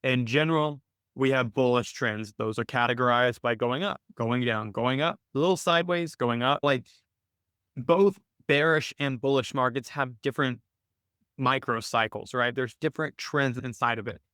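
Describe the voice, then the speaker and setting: A man hosting a weekly live video call, chatting loosely and working through his points out loud, often tagging "right?" onto them. His voice is smooth and clear at an average pitch, and the sound is dry and close to the mic. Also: normal speed, dry recording. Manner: conversational, thinks aloud with restarts and "right?" tags. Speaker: host of a weekly trading call. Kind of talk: casual live Q&A explanation.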